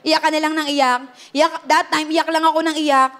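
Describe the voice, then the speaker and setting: A woman's voice: sits high, little pitch movement, normal speed, a bit bright. A Filipino woman pastor preaching a sermon earnestly, switching between Tagalog and English and checking in with the congregation.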